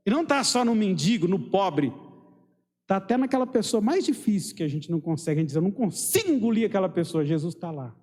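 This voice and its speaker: Man, Brazilian accent, fervent sermon, high voice, long church reverb. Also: sing-song, a little fast, darkish tone. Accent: Brazilian Portuguese. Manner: fervent, emphatic preaching with rhetorical questions. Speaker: preacher.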